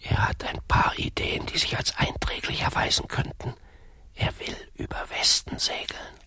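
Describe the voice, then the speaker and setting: An actor playing a sly, unctuous Catholic confessor in a satirical radio play, speaking in a hushed, pious, conspiratorial murmur. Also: male voice, normal speed, whispered, natural voice. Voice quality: husky, breathy.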